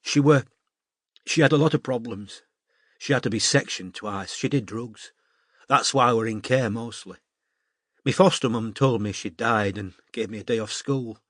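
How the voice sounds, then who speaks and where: A man voicing a troubled teenage girl with a northern English accent, talking in a halting, confessional way. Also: mid-range voice, a bit bright, dry recording, clean studio sound, natural voice. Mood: hushed. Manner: tearful, halting confessional talk.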